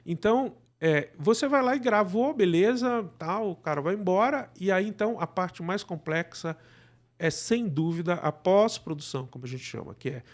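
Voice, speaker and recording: A man's voice: high-pitched, expressive, moderate pace. A man with a Brazilian accent explaining things in a casual interview, often checking in with short tag questions. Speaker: interview guest, audio drama producer.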